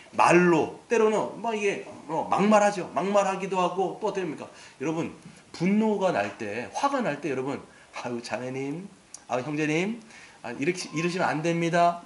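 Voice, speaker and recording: A male pastor preaching a sermon with emphasis, putting rhetorical questions to his congregation. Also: high-pitched. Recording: roomy echo.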